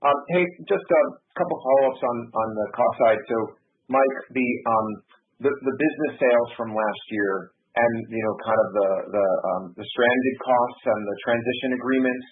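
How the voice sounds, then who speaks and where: A man's voice: mid-range voice, moderate pace. A man, an analyst, asking follow-up questions on an earnings call in a friendly way, searching for his words. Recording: tinny phone line.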